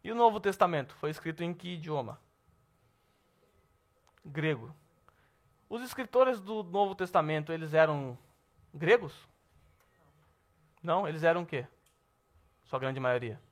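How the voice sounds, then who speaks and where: A Brazilian man teaching a Bible class at church, lively and asking the class questions. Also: fairly high pitch, normal speed, pauses often. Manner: lively, asks the class questions, says "tá bom?" often.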